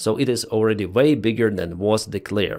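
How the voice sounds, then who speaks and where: With a Russian accent, a man speaks at a moderate pace in a fairly low pitch. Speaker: military news commentator, pilot. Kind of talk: news commentary vlog.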